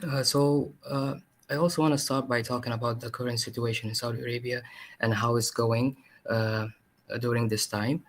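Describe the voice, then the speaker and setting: A man's voice: medium pitch, level tone, moderate pace. A young man from Eritrea giving a student presentation online, hesitant and full of fillers.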